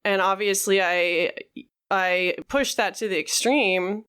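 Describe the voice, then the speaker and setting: A woman co-hosting a podcast, talking frankly in a halting way with many fillers. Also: medium pitch, fairly bright tone, smooth. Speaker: podcast co-host. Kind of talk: candid conversational podcast talk.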